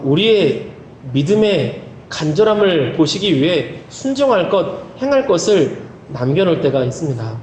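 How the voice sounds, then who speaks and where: High-voiced pastor preaching in a roomy church. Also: male voice, darkish tone, slight background noise. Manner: earnest, with folksy humorous asides. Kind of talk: sermon. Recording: roomy church hall, faint ambience.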